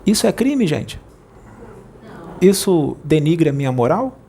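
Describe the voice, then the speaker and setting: A man with a Brazilian Portuguese accent, a spirit medium preaching informally in a playful, jokey way that rushes over his words. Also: a little high, big pitch swings, dark tone, slight background noise.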